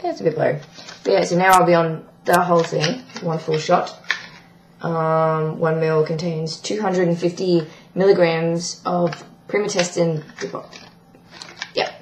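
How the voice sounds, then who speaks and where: Croaky young trans man, webcam vlog. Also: fairly high pitch, level tone, measured pace, reverberant, slight background noise, poor audio. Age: young adult. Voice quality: croaky, breaking voice. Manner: rambling, many ums, self-correcting. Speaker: vlogger. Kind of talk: casual video diary update. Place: small bedroom indoors. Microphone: webcam at desk.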